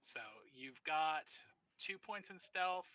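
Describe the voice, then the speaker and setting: A man narrating a tabletop role-playing game as game master, explaining scenes and rules in a halting way. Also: high-pitched, pushed and bright, dull audio.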